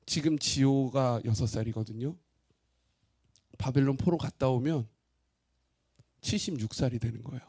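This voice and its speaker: A man pastor preaching a sermon expressively, asking his congregation questions and swinging between loud and hushed. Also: mid-range voice, moderate pace, long pauses, husky.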